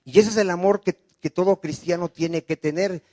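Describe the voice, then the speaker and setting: A man's voice: high-pitched, fairly even intonation, normal speed, mellow, dry recording. A man preaching a sermon as pastor, often asking the congregation questions and calling for amens. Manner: preaching with call-and-response questions.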